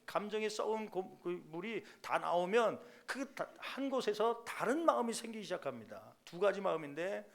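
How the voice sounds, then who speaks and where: Gravelly high-voiced male pastor preaching. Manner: acts out parents and child in quoted voices; emphatic, rising to loud peaks. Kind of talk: sermon.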